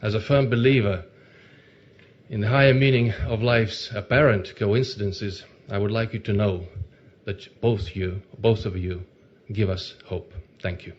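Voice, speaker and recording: A man delivering a formal prepared address at a ceremony, earnest and deliberate, as if reading from a text. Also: fairly low pitch, steady tone, a little hiss or hum. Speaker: speaker at a ceremony. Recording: muffled lo-fi recording.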